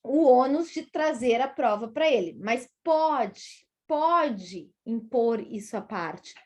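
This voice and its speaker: A Brazilian woman with a high voice teaches a law class. She lays out each point patiently and turns to her students with questions as she goes. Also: animated, slow. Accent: Brazilian Portuguese. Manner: explanatory, addresses students directly, acts out quoted judges. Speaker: law lecturer. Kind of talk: university lecture.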